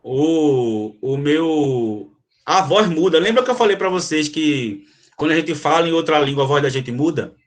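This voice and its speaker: A male teacher lecturing to students, often pausing to ask if they follow and explaining with quick examples. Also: a little high, lively intonation. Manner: frequent checking questions to students. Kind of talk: classroom lecture.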